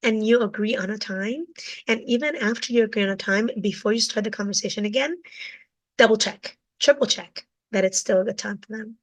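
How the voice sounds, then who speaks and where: A woman with a cold and a raspy voice, teaching communication from her office. She ends her points with "right?" tag questions. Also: mid-range voice, a little fast, rough recording. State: has a cold. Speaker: communication coach. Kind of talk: direct-to-camera teaching talk.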